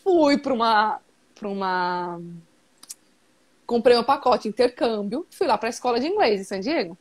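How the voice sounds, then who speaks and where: A Brazilian woman in her thirties tells her story in a chatty, emphatic way, with lots of fillers. Her voice sits a little high. The sound comes over a video call. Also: expressive, moderate pace. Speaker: interview guest. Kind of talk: casual video-call interview.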